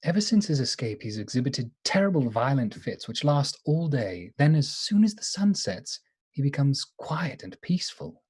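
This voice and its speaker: An earnest gentleman keeping a diary in a radio drama. The voice is husky and mid-pitched, formal in manner with an awkward edge. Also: sing-song. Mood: measured diary narration. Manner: formal, halting when flustered. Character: earnest, awkward gentleman diarist hiding his affection. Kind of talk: live radio play acting.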